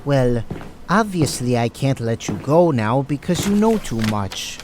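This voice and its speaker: A man acts out a villainous doctor for an audio drama. He gloats with smug, theatrical menace, his pitch swooping widely. Noticeable noise and clicks sit behind the voice. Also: very animated, measured pace. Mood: coolly threatening. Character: gloating villainous male doctor, drug addict and schemer. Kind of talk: amateur audio drama acting.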